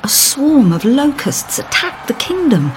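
A woman's voice: high-pitched, sing-song, measured pace, soft background music. A woman playing a frank, sceptical queen in a comic pantomime. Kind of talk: pantomime audio comedy.

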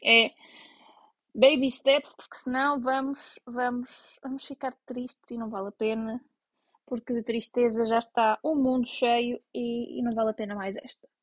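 Young woman, European Portuguese accent, slightly high voice, chatty and self-deprecating, dry close recording. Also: moderate pace, no echo. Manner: chatty, self-mocking, animated. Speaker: vlogger. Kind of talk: casual chat to camera.

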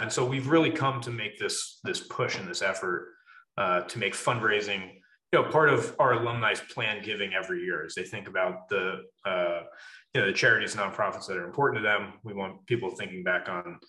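A man in his late thirties, a podcast guest explaining things at length in a measured way with frequent fillers. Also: low voice, bright, forceful tone, roomy sound, rough recording. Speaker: guest, wrestling club officer. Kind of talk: casual podcast interview.

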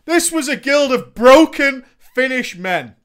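A man reads a gaming tale aloud in an animated, sarcastic way. His voice sits high, and he often breaks into laughter. The pitch swings widely from line to line. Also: a little slow, clean tone. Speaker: story reader. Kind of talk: comic reading of a gaming story with asides.

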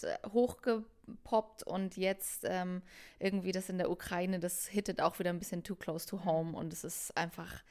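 A musician from Hamburg, Germany, talks thoughtfully in a casual interview, using many fillers. Her voice is mid-range, smooth, and darkish in tone.

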